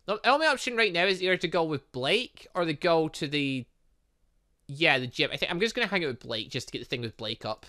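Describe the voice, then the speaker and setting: A man casually playing through a story game, reading out its text and thinking aloud. His voice swings widely in pitch. The tone is bright, and he drops in playful little sound effects. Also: expressive, fairly quick. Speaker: gaming YouTuber.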